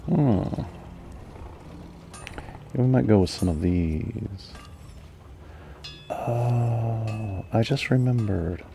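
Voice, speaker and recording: Deep gravelly-voiced man, calm and mellow. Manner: slow, mellow, musing. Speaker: gamer. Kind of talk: calm gaming commentary.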